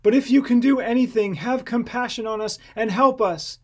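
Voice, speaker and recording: A man's voice: extremely high pitch, normal speed, pitched above the performer's own voice. A man voicing a desperate father, crying out and imploring, in a dramatized scripture audiobook. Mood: desperate pleading. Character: desperate, pleading father of an afflicted only son.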